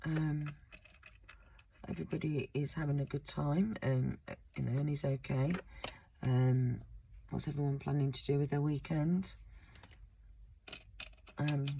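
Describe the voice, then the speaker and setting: A woman with a croaky voice from a sore throat, chatting casually with lots of ums as she demonstrates a crafting project on her channel. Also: low-pitched, normal speed, pauses often, slight background noise. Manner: relaxed, chatty, many ums.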